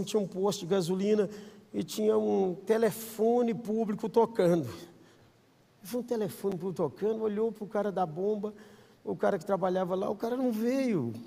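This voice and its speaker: A Brazilian man preaching a sermon as pastor, telling stories with acted-out quotes, swinging between loud calls and hushed asides. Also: high voice, vocal fry, long reverb tail. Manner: animated storyteller, acts out quotes, swings from shouting to hushed. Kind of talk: sermon with storytelling. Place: church.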